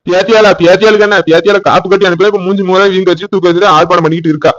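A man's voice: high-pitched, fairly even intonation, rapid-fire, fairly bright tone, no echo, muffled recording. Man doing a nagging old grandmother. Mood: fussing. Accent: Tirunelveli Tamil. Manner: nagging, fussing.

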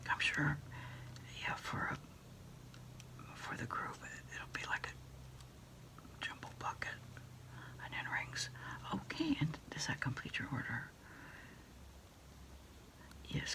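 A middle-aged woman doing a hushed ASMR roleplay, unhurriedly taking orders into a phone handset. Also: sits low. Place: small indoor desk space.

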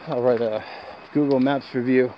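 A man with a creaky voice chatting casually and off the cuff as he vlogs outdoors on a trail, with dry asides. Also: mid-range voice, normal speed. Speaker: hiking vlogger. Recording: dull lo-fi outdoor sound, steady noise.

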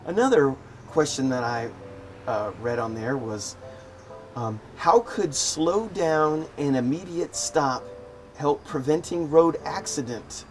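A man's voice: on the high side, expressive, slow pace, faint music behind. Wry, chatty man telling stories. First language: English. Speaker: vlogger. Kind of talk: casual storytelling vlog. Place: living in Thailand.

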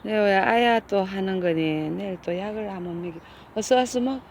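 A woman's voice: mid-range voice, normal speed, slight background noise. A middle-aged woman, speaking casually and calling the cats over and over in a coaxing, affectionate way as she feeds them outdoors on a hillside. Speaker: cat caretaker and channel host. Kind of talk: casual talk while feeding cats.

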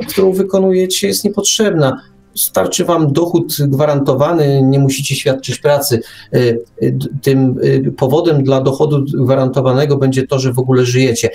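A man's voice: mid-range voice, a little mellow. A man hosting an opinionated radio discussion, putting rhetorical questions straight to his listeners. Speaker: talk show host. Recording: music under the talk. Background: music.

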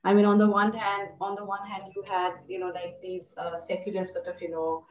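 A woman's voice: medium pitch, completely flat delivery, a little fast, a little mellow. Woman talking through a roomy video call. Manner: thoughtful, many fillers like "you know". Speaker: lecturer. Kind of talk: academic discussion on a video call. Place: room indoors. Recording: echoey, distant, muffled video call audio.

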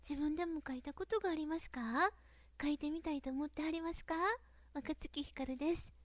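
A novelist with a Kyoto accent giving a chatty, casual writing lesson to camera. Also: female voice, sits high, steady tone, brisk, a little mellow, no echo. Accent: Kyoto Japanese. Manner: chatty, frequent dialect sentence endings.

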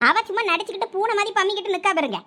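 A woman playing a quarrelsome village woman with a Thoothukudi Tamil accent, scolding rapidly. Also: extremely high pitch, sharp tone. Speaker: actor in village family drama. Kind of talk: village comedy sketch acting.

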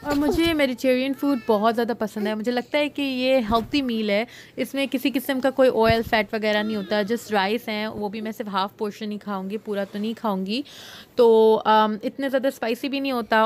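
Mom vlogger, thirties, from Pakistan, chatty and direct, recorded on a phone. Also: female voice, on the high side, fairly even intonation, a little fast. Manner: chatty, addressing viewers directly. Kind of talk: casual vlog narration to camera. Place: indoor mall, then parked car.

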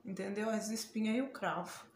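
A woman's voice: mid-range voice, brisk, reverberant, very noisy. A Brazilian woman with a Brazilian Portuguese accent, chatting casually to camera in a beauty tutorial at home, exclamatory and prone to laughing yelps. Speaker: beauty vlogger. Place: home room, indoors.

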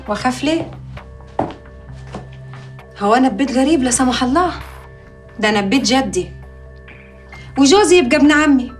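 A woman's voice: on the high side, natural voice. Woman playing a bold, defiant young bride. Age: young adult. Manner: bold, teasing. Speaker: new bride. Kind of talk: TV drama acting. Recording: distant mic with faint score.

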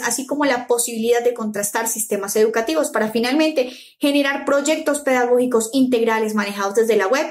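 Brief: young Colombian woman with a high voice, reading a formal conference talk to a webcam. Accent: Colombian Spanish. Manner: measured, formal, enumerating steps. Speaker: teacher presenting a conference paper. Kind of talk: read academic presentation. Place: indoor room, talking to camera.

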